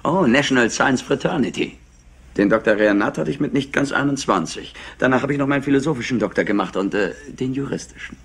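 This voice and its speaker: An actor playing a brainy, cocky young chemist in a crime drama, smug, teasing and self-assured. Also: male voice, mid-range voice, fast, husky. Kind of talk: German crime drama acting.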